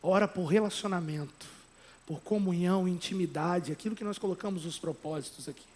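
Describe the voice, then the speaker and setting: A Brazilian pastor preaches in a notably high voice, moving between chatty asides and emphatic, loud exhortation. He checks in with the congregation through quick tag questions. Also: a little hiss or hum. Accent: Brazilian Portuguese. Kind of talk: sermon.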